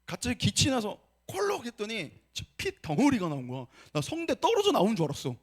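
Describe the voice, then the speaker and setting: A young man preaching a sermon as a pastor, telling stories with animated, acted-out dialogue. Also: sits high, fast talker, breathy edge. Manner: animated storytelling preaching, acting out his own past words. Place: church sanctuary.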